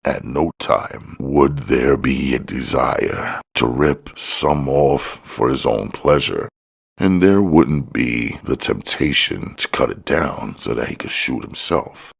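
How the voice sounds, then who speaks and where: A man's voice: a bass voice, expressive, takes it slowly, vocal fry, slightly rough. A man reading crime fiction aloud as scripted audiobook narration.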